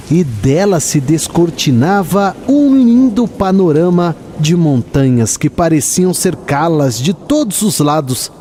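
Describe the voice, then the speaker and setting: Slow, bright-voiced Brazilian male storyteller. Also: a little high, a little hiss or hum. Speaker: narrator of a radio drama. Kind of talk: scripted literary storytelling narration.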